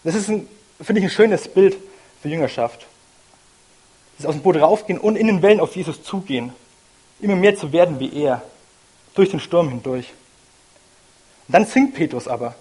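A man's voice: fairly high pitch, lively intonation, moderate pace, pauses often, darkish tone, slightly rough. A young man giving an informal, personal sermon, earnest and thinking aloud as he goes. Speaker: lay preacher.

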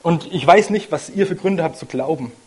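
Young man, informal sermon, earnest, personal, husky, slightly high voice. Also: moderate pace, darkish tone. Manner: earnest, personal, thinks aloud with restarts. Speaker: lay preacher.

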